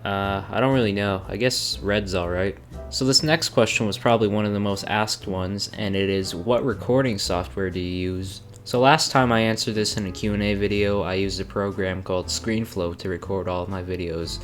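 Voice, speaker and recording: A young man who sounds bored and flat, narrating a casual Q&A video as a YouTuber. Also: low-pitched, normal speed. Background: background music.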